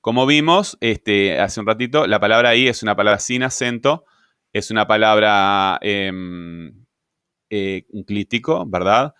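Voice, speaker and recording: Low-voiced man teaching grammar. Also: measured pace, fairly bright tone, clean tone, no echo, clean studio sound. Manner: patient, rhetorical checks with ¿verdad? and ¿sí?. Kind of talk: grammar lesson explaining on screen.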